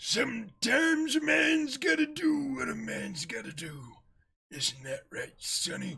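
Fairly slow, raspy speech from a man doing a put-on character voice. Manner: passionate, worked up.

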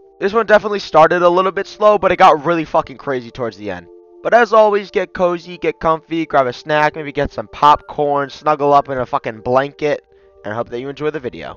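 Over background music, a man talks at a very fast pace with a fairly high pitch and an energetic tone. His intonation is lively, and his loudness swings widely. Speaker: gaming YouTuber. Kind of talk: video intro, casual address to viewers. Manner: casual, energetic.

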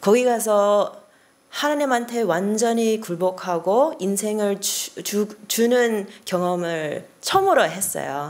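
Intonation is lively as a woman speaks. She goes at a very slow pace. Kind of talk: self-introduction testimony. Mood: warm, cheerful, laughing. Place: studio. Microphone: podium.

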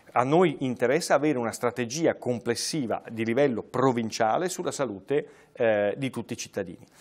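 At a moderate pace and with hardly any pauses, a man talks at medium pitch with ordinary pitch variation against a quiet background. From Belluno, Veneto, northern Italy; Veneto, Italy. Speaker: mayor. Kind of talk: TV interview. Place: studio. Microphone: lapel.

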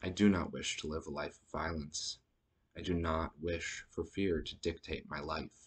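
In a quiet background, a soft-spoken man with a very deep, low pitch talks somewhat breathily at a moderate pace with fairly even intonation. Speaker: community organizer and poet. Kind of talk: poetry reading. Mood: earnest, somber. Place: home room. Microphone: studio mic.

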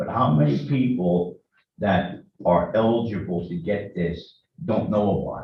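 A man's somewhat breathy, fairly low voice at a fairly slow pace, with ordinary pitch variation. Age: 70s. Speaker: public commenter at city council. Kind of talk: public comment at council meeting. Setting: city council meeting.

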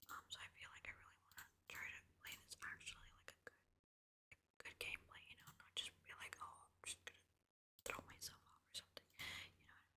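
Whispering at a very fast pace, a woman's voice shows big swings in loudness. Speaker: ASMR gaming streamer. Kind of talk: ASMR gaming commentary. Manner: soft-spoken, casual. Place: home room. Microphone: studio mic.

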